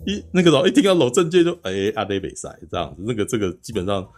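A man hosting a podcast, recapping a plot in a chatty, animated way and often asking "you know?". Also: fairly low pitch, rapid-fire. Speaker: podcast host.

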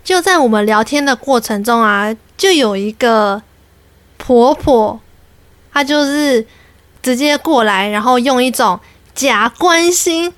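A young adult woman tells a story on her podcast in an animated, exasperated way. Her voice is high. The recording is dry and close. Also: no echo. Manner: animated, exasperated, quotes people. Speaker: podcast host. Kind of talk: casual storytelling.

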